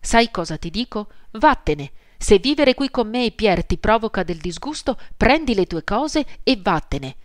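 A woman's voice: lowish voice, animated, fairly quick, no room sound, studio quality, natural voice. A woman reading the lines of a proud, domineering older aunt in an audiobook, indignant and commanding.

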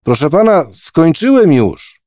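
Guy putting on a kid voice, higher and louder, calling out. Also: sing-song, unhurried, no echo, clean studio sound. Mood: impatient. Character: young boy, curious then frightened.

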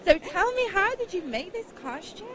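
A woman in her thirties, hoarse from losing her voice, flirtily interviewing cosplayers with a handheld mic in a busy convention hall. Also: very high-pitched, very animated, moderate pace, background noise. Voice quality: husky. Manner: flirty, playful, laughs often. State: hoarse, lost voice.

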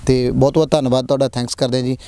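Young Punjabi farmer, earnest, rapid repetitive delivery, handheld mic outdoors. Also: male voice, mid-range voice, little pitch movement, warm tone, clear, resonant tone. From Punjab, India. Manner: earnest, repeats phrases, rallying young people. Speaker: prize-winning dairy farmer. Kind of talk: on-camera interview. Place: outdoor dairy farm. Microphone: handheld mic held by interviewer.

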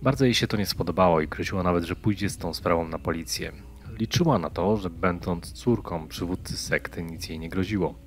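A man reading a scripted true-crime story in a measured storytelling manner. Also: deep voice. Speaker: narrator of a true-crime channel.

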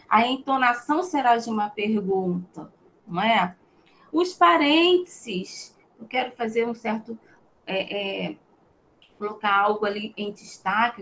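A woman's voice: fairly high pitch, fairly bright tone, slight background noise, low-quality recording. A Brazilian woman teaching an online class, patiently explaining and checking in with frequent tag questions. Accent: Brazilian Portuguese. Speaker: schoolteacher.

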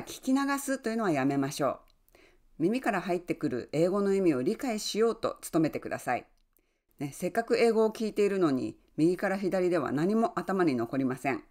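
A woman who works as an online English coach, giving friendly, encouraging advice and often adding soft tag words as she talks. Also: fairly low pitch. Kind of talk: advice talk to camera.

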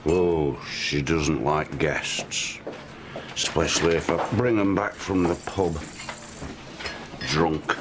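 A man's voice: extremely low pitch, slow, noisy background. An actor playing a bitter, sullen drunken man in a TV drama. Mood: drunk, gloomy. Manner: sullen, accusing. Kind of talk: naturalistic TV drama acting.

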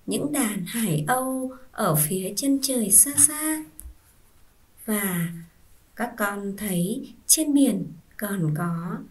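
Woman, first-grade teacher, very slow, patient, clear classroom reading. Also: a little high, darkish tone. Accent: Vietnamese. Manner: patient, spelling out sounds and inviting children to repeat.

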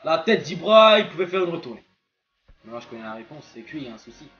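A young man with a fairly high voice talks through a football game he is playing. His commentary is casual and slangy, full of exclamations and swearing. The sound is a bit dull and lo-fi, with music underneath. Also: very animated, fast talker, fairly bright tone. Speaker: gaming video creator playing a football game. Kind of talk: casual excited gameplay commentary. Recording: dull lo-fi voice track with music behind.

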